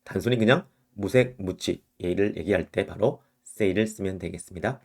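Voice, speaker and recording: A man's voice: low voice, normal speed, gravelly, darkish tone. A man whose first language is Korean, teaching English word use and patiently repeating the example phrases.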